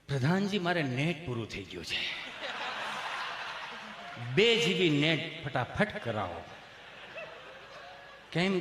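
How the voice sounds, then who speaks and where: High-pitched Kathiawadi comedian in a ringing hall. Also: male voice, background noise. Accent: Kathiawadi Gujarati. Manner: lively, chatty, often laughing with the crowd. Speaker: stand-up comedian. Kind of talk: live folk comedy storytelling. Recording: echoey live hall recording.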